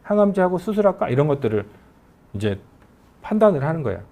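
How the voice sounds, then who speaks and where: A man's voice: on the high side, quick pace. A middle-aged man, an oncology professor with a regional Korean dialect, giving a conversational medical lecture. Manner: animated, conversational lecturing that acts out patients' questions.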